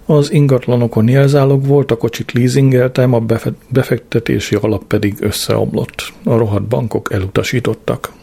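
A man's voice: mid-range voice, fairly even intonation, gravelly, hardly any pauses, warm tone, breathy edge. A man voicing a ruined, self-pitying young man who pleads through tears. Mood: bitter. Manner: tearful, pleading.

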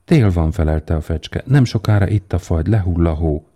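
A man voicing a small, kind-hearted male swallow in a read fairy tale, speaking in a pleading, gently emotional way. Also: low-pitched, expressive. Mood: tender, yearning.

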